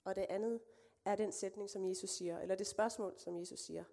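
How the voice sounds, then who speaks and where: A woman's voice: mid-range voice, fairly even intonation, dark tone. A woman preacher giving a conversational sermon, reading scripture with casual asides and fillers.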